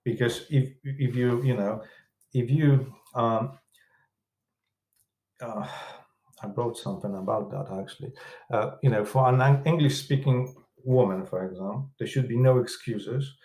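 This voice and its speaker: A man with a Polish accent talks about filmmaking in a halting way, full of fillers, restarts and broken grammar. His voice sits at an ordinary middle pitch. The room around him sounds echoey. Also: darkish tone. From Poland. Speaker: film director and producer, guest. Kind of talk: casual interview talk. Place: room in London.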